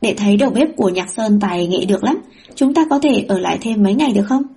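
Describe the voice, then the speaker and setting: A woman's voice: medium pitch, quick pace, natural voice. A woman voicing an overdramatic teenage boy disciple who whines and clings to his senior sister. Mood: wheedling. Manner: whiny, excitable.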